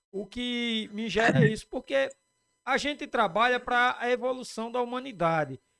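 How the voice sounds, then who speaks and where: A man speaks at an extremely high pitch, his intonation lively and bouncing. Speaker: podcast host. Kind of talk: podcast interview host.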